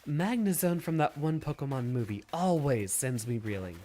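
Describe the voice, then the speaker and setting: A man's voice: on the high side, expressive, moderate pace. A man streaming a video game with a stuffy, slightly nasal nose, musing aloud in an easygoing way and answering viewers' questions.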